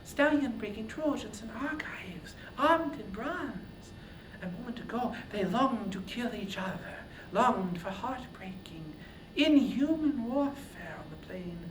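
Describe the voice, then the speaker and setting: A man voicing a goddess disguised as a young woman, hushed and coaxing in a breathy falsetto, in a dramatic epic reading. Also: expressive, takes it slowly. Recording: roomy echo, distant mic, faint noise.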